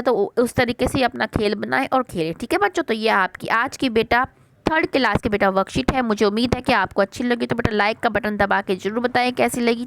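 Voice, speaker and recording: High-voiced woman teaching children. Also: fairly bright tone, no room sound. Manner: asks questions and answers them herself, repeating key words. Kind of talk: online worksheet lesson for children.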